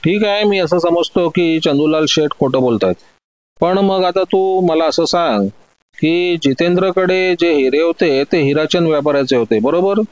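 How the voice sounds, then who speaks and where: A man's voice: on the high side, normal speed, darkish tone, no room sound, dull audio, pitched above the performer's own voice, natural voice. A man doing a stern police inspector. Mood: probing. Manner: firm, probing questions. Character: stern male police sub-inspector, shrewd and calm.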